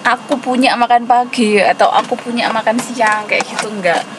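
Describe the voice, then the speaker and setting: A woman's voice: on the high side, steady tone, moderate pace. A woman teaching an online English class with a Javanese accent, explaining patiently and dropping English terms into her speech. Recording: noisy room with air conditioning.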